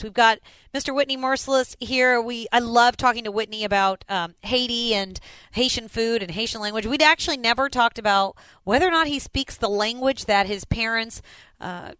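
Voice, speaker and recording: A sports podcast host with an upbeat, chatty delivery, introducing guests and interviewing a player. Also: male voice, extremely high pitch, sharp tone, clear, resonant tone, dry recording, rough recording. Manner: upbeat, chatty, reads sponsor spots. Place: stadium.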